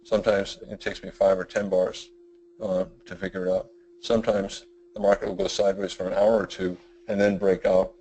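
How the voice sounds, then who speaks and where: Middle-aged guy with a deep flat monotone, rambling through a trading webinar, lots of you know's. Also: a little fast, a little hiss or hum, low-quality recording. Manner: rambling, with many fillers and restarts. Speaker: trading educator presenting a webinar. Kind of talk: webinar lecture.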